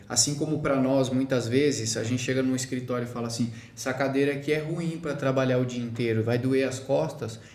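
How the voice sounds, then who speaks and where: Male podcast host, mid-pitched, persuasive, echoey room. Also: darkish tone, a little hiss or hum. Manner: persuasive, appeals to listeners, restarts often. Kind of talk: casual podcast conversation.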